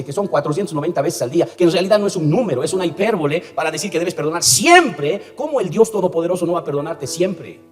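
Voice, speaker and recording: A man's voice: on the high side, long reverb tail. A man preaching a sermon to his congregation, impassioned, acting out the voices he quotes. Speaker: pastor.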